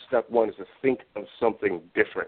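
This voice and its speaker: Speaking with a New York accent, a man goes at a moderate pace. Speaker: cosplayer and musician. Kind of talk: casual chat. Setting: radio show.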